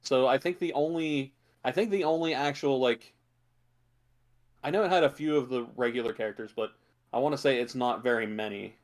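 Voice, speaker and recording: A man's voice: medium pitch, a little fast. A man co-hosting a podcast, chatting casually about films and shows, thinking aloud as he goes. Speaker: podcast co-host.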